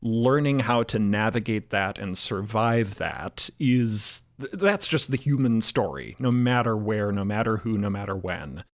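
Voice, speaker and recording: A man speaking as a panelist in a casual roundtable, thoughtful and halting, restarting phrases as he explains. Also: on the low side, expressive. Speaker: podcast co-creator and panelist.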